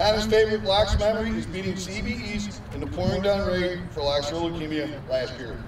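The voice moves at a fairly quick pace, with audible room echo and noticeable background noise. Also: man. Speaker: event announcer. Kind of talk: formal announcement reading. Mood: warm, celebratory. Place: stadium.

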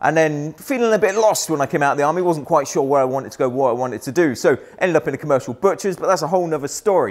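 A man's voice, with ordinary pitch variation, comes through over a quiet background. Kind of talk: personal story talk to camera. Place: workshop. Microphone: lapel.

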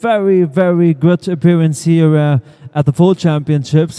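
Against a quiet background, a dark, mellow voice speaks with fairly even intonation. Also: man. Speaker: auctioneer. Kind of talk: auction presentation. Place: hall. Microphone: handheld.

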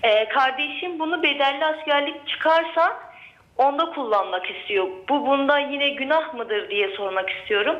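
Over noticeable background noise, a woman speaks at a high pitch and fairly slow pace with lively intonation. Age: young. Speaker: audience member asking a question. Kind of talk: question to a religious scholar.

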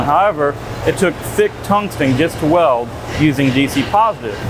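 Speaking at a moderate pace, a man is heard with noticeable background noise. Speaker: welding instructor. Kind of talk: tutorial. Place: workshop. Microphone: lapel.

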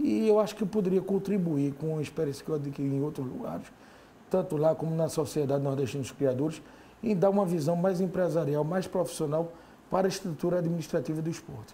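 A man at a very fast pace, dark and mellow in tone, with ordinary pitch variation. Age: 40s. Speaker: yacht club commodore; interview guest. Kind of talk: TV interview. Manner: halting, many repetitions. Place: studio. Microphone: lapel.

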